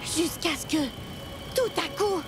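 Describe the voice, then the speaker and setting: A woman voicing a plucky, fair-minded young girl in a children's cartoon, telling her adventure in an expressive, earnest way. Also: very high-pitched, a little slow. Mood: dramatic storytelling. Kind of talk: animated children's cartoon dub, storytelling and dialogue. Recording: music behind the voice.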